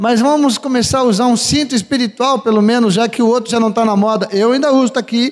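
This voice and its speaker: A man with an extremely high voice talks at a very fast pace with hardly any pauses, very even loudness and fairly even intonation, over noticeable background noise. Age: 50s. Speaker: pastor. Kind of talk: sermon. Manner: warm, addressing teenagers with diminutives.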